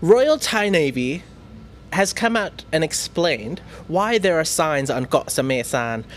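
A man's voice: fairly high pitch, very animated, slow pace, a little hiss or hum. A man hosting a casual news chat, talking in a playful, teasing way with plenty of fillers. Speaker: news show host.

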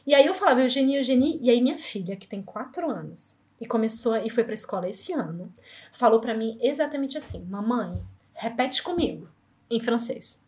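A Brazilian woman in her thirties with a Brazilian Portuguese accent, telling lively anecdotes fast in an interview. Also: fairly high pitch. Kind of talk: casual storytelling.

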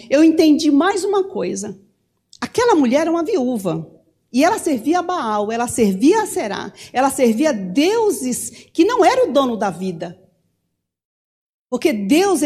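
A woman's voice: high-pitched, big pitch swings, moderate pace, darkish tone. A middle-aged woman preacher giving an impassioned sermon testimony, her voice rising when she pleads.

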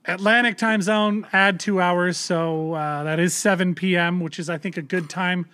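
A man's voice: sits high, steady tone, moderate pace, bright, forceful tone, smooth. A man in his thirties co-hosting a parenting podcast in casual, rambling chat, with loose swearing and lots of fillers. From Canada. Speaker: podcast co-host.

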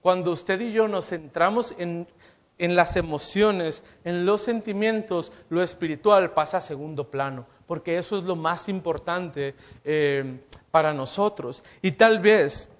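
A male preacher with a notably high voice delivers a sermon and keeps turning to his listeners with questions. He acts out the lines he quotes as he goes. The recording is dull and lo-fi, with a muffled top end.

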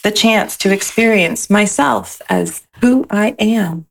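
An eager little child soul, high and pleading, as a woman reads it. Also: takes it slowly, creaky, poor audio. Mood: earnest. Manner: excited, pleading.

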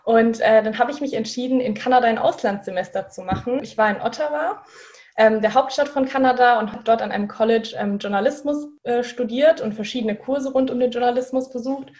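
A woman of twenty co-hosting a podcast in relaxed casual chat, with frequent fillers. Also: a little high, brisk, dull audio. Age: 20s. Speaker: podcast co-host.

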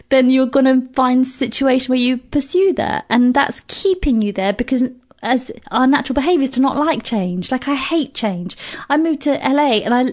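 A British woman in her thirties, a comedian speaking candidly in a podcast conversation, blunt and profane, with quick self-mocking asides. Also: high-pitched, a little mellow. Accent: British English. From Britain. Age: 30s. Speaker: comedian guest.

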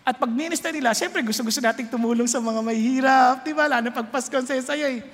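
A woman preaches in a high voice, her sermon full of storytelling. She leaps from loud exclamations down to quiet, intimate tones. Her voice carries a long reverb, as in a large church hall. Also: fast talker. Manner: animated, swings from loud exclamations to hushed tones.

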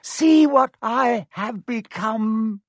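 Hissing dark lord, high voice, very slow, menacing, dry close sound. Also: male voice, no echo, exaggerated voice. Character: hissing dark lord, a face on a man's head, cold and menacing.

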